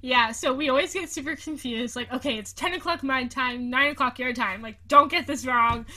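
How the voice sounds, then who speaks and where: A woman's voice: high voice, normal speed, bright, forceful tone. A young woman hosting a podcast, chatting casually and giggling often, with plenty of fillers. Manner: giggly, bubbly, lots of fillers. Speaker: podcast host. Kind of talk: casual chat. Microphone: video call recording.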